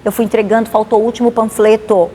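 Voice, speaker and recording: A woman pastor with a Bahian accent, giving a lively spoken testimony and acting out the dialogue. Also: on the high side, fast. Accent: Bahian Portuguese. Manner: animated, acts out dialogue. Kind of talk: testimony storytelling. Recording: long reverb, faint noise.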